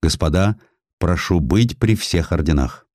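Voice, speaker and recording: A man's voice: low-pitched, lively intonation, measured pace, a little mellow, no echo, clean studio sound. A man playing a proud, defiant Russian destroyer commander, firm and formal, in an audiobook. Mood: formal defiance.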